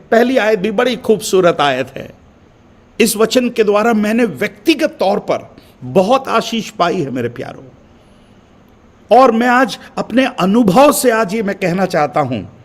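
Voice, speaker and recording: A male pastor from India delivering a sermon with emphatic repeated refrains, calling his listeners beloved. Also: high voice. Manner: addresses listeners as beloved brothers and sisters.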